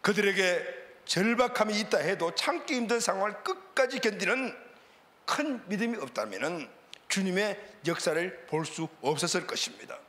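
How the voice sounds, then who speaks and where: A man preaching a sermon as pastor, animated and calling out for amens from the congregation. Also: sits high, moderate pace. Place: church sanctuary. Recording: reverberant church hall.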